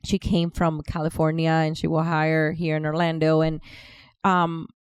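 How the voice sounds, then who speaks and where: A woman's voice: low-pitched, completely flat delivery, moderate pace, clear, resonant tone, no room sound, studio quality. A woman in her forties with a Cuban Spanish accent and Spanish as her first language, chatting as a podcast guest. She talks freely, often restarts her sentences and laughs easily. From Cuba. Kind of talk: casual interview conversation.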